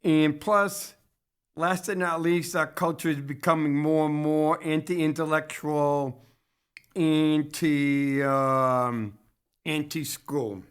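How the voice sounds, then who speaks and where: A man hosting a local community TV show, giving a lecture-style commentary with a halting delivery that restarts and corrects itself. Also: fairly high pitch, steady tone, clear, resonant tone.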